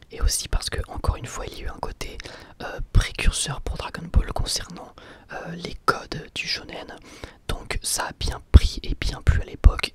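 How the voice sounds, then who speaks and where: A man whispering softly in an ASMR question-and-answer video, pausing often on hesitant fillers. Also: mid-range voice, husky. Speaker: ASMR channel host.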